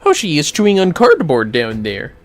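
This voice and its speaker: A man's voice: on the high side, huge pitch swings, moderate pace. A man giving casual, foul-mouthed commentary on a gaming livestream, muttering to himself with playfully theatrical outbursts.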